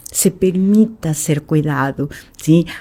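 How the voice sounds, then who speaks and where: Here a woman speaks with a dark, mellow tone. Her intonation is lively. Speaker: institute worker. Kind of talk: casual chat.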